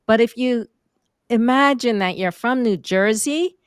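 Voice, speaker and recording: A woman from New York, a speaking and vocal coach, chatting as a guest on a podcast with an expressive, lively teaching manner. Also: on the high side, unhurried, clear, resonant tone, no echo, clean studio sound. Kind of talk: conversational podcast interview.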